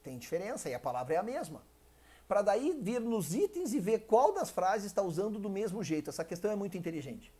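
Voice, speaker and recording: This online exam-prep English teacher is a Brazilian man whose high, mellow, husky voice swings widely in pitch at a brisk pace. Speaking with a Brazilian Portuguese accent and a dry throat, he explains each step and keeps posing rhetorical questions to the viewer.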